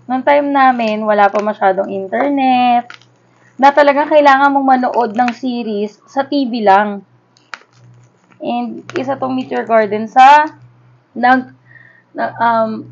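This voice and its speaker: A Filipino woman in her thirties chatting casually and nostalgically in Taglish as she vlogs an unboxing. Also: on the high side. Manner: nostalgic, informal, conversational. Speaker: vlogger unboxing a collectible. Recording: dull lo-fi sound.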